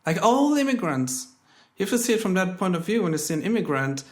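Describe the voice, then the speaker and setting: A man in his thirties who grew up in Germany, a comedian guest in a casual conversation. His voice sits a little high for a man, and he jokes in a wry, deadpan way. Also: quick pace. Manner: wry, joking deadpan delivery.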